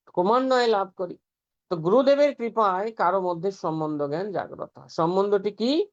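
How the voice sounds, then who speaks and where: A man giving an earnest devotional scripture talk, explaining step by step and chanting some passages aloud. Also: high-pitched. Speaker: preacher. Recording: dull lo-fi recording.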